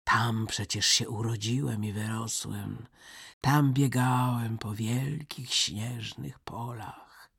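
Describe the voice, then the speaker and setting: A storyteller voicing a reindeer from the far north, speaking slowly and half whispering in a husky voice. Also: mid-range voice, steady tone, exaggerated voice. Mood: dreamy hushed. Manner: slow, hushed, dreamy.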